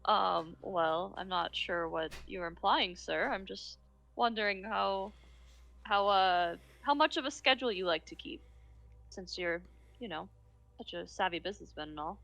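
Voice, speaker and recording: A woman's voice: medium pitch, unhurried, vocal fry, a bit bright, no echo. A woman player questioning a character in a tabletop game, coy and probing.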